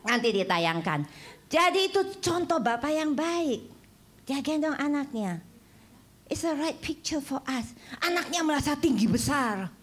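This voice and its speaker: Woman preacher, high voice, lively church sermon with bursts of exclamation. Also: unhurried. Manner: animated, mixes English phrases, rising to exclamations. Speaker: evangelist preacher.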